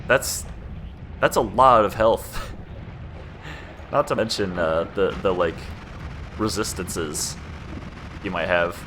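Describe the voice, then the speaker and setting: Young man, game streamer, monotone, laid-back, lowish voice, casual commentary. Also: slow, long pauses, noisy background.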